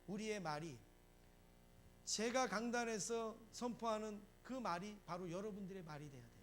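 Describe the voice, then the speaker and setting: A male pastor with a high-pitched voice delivers a sermon. He repeats short phrases and answers his own questions. A faint hum runs underneath. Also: moderate pace. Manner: asks the congregation questions and answers them, repeats phrases for emphasis; acts out quoted lines in a raised voice.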